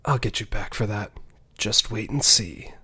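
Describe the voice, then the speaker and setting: A man's voice: fairly low pitch, measured pace, sharp tone, husky, no echo, heavily acted. Man playing a cheeky young prince, dry recording. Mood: indignant, cheeky. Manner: casual, teasing. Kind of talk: fan audio drama acting.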